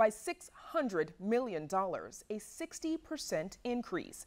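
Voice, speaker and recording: Very wide pitch swings in the speech of a woman. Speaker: news anchor. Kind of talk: news reading. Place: studio. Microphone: lapel.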